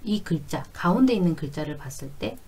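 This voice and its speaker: A woman's voice: on the low side, expressive, brisk, vocal fry, a little mellow, husky. A woman in her forties giving a conversational explanatory lesson, going step by step and repeating key phrases. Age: 40s. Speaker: fortune-telling teacher.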